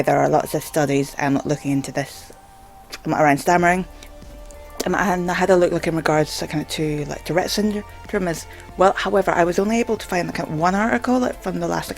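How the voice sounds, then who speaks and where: A rough recording captures a medium-pitched voice with vocal fry speaking briskly over faint music. The speaker, a vlogger who stammers, rambles casually and hesitantly to camera with frequent "like"s.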